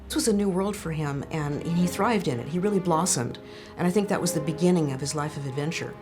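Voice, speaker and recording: Low-voiced woman in interview. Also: fast. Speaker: documentary interviewee. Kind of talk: unscripted interview commentary. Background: music bed.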